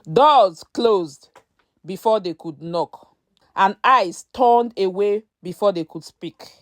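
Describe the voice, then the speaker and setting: A woman narrating a scripted story in a measured, dramatic storytelling manner. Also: mid-range voice, dry recording, studio quality.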